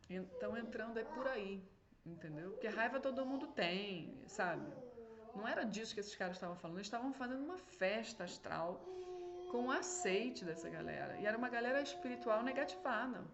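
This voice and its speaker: A woman's voice: fairly high pitch, expressive, a little fast, crowd noise. A woman, a spiritual medium, recounting a session in a rambling, casual monologue that is full of "né?" and "entendeu?" asides. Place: home.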